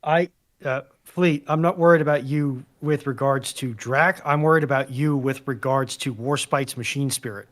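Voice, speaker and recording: A man's voice: mid-range voice, normal speed. A man chatting casually as a guest panelist, with a bantering way of talking.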